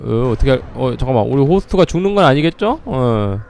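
A man's voice: mid-range voice, very animated, fast, creaky, darkish tone, a little hiss or hum. A man giving casual, playful commentary over a game he is playing, laughing often and letting out sudden startled exclamations. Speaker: gameplay commentator.

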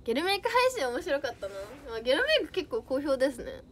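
A woman's voice: high voice, sing-song, quick pace, a bit bright, slight background noise. A young woman idol chatting casually on a livestream, reading out viewer comments with bubbly giggles.

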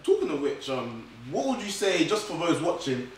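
A young man from London hosting a casual sit-down interview, relaxed and quick to agree, on a lapel mic. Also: a little high, a little hiss or hum. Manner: relaxed, many short agreements. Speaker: host. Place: bright living room, indoors. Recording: echoey room.

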